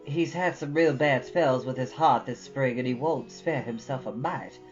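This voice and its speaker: A woman's voice: very deep voice, moderate pace, highs cut off, soft background music. A woman voicing a plain-spoken, stern but caring older country woman in a folksy, matter-of-fact storybook reading. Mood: troubled.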